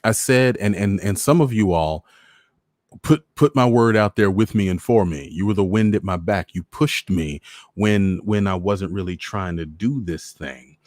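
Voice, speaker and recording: American guy with a low voice chatting to his livestream, repeats stuff for emphasis, really dry close sound. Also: unhurried, darkish tone, no echo. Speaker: host of a live online story-reading show. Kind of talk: casual livestream chat to viewers.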